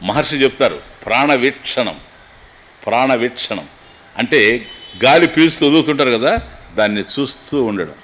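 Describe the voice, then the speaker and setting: A male swami teaching listeners in an animated, expressive way, his voice rising and falling widely. He throws rhetorical questions at the audience and drops English phrases into his explanations. His pitch sits at an ordinary middle level for a man. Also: normal speed, long pauses. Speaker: swami giving a spiritual discourse. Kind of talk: Vedanta discourse in Telugu.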